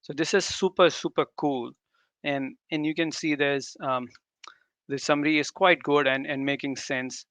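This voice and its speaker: A man's voice: on the high side, fairly even intonation, normal speed, a bit bright, dry recording. A man whose native language is Urdu gives an informal live tech demo, often repeating and rephrasing himself. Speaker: tech presenter. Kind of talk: live demo talk to developers.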